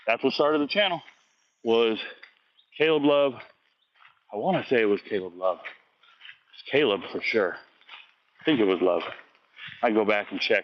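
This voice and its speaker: A man's voice: medium pitch, muffled recording. A man running a football recruiting vlog, casually answering viewer comments with blunt, slangy trash talk after a workout. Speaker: high school football recruiting vlogger.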